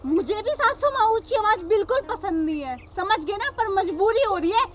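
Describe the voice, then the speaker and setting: A woman's voice: very high voice, expressive, moderate pace. A woman playing a defiant young daughter-in-law, a police officer, who lectures her mother-in-law combatively. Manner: combative, lecturing, repeats "samajh gaye".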